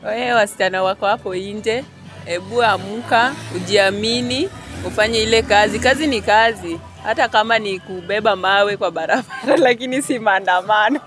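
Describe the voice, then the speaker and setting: A woman's voice: medium pitch, a little fast. A young Kenyan woman from Nyanza, a barber being interviewed outdoors, giving short, shy answers. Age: young adult. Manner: brief, shy answers with light laughs. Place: outdoors on a shop front bench. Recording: music playing behind.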